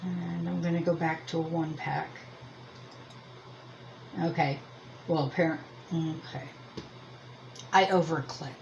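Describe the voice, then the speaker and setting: Slow-talking woman, Pennsylvania Dutch American accent. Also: sits low, steady tone, creaky, darkish tone, slight background noise, poor audio. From Lancaster County, Pennsylvania, US. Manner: rambling, self-deprecating, thinking aloud. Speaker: host of a crochet and yarn channel. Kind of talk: casual chatty product review.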